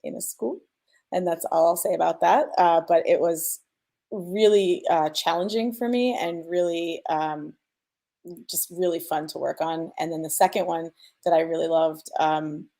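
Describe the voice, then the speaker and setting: Creaky, lower-voiced woman chatting on a panel. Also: steady tone, normal speed, dark tone. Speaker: podcast sound designer. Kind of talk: casual conference panel talk.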